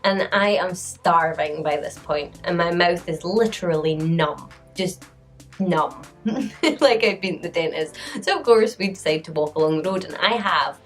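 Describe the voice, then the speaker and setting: A woman in her late twenties telling a storytime vlog in a chatty way, often breaking into laughter. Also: lowish voice. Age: late 20s. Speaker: vlogger.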